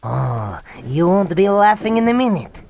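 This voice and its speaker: A woman's voice: fairly low pitch, very animated, a little slow, vocal fry, a little mellow, a little hiss or hum, exaggerated voice. A woman playing a petulant, grandiose young mad scientist in a comic radio drama, melodramatic and sulky. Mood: menacing, grandiose.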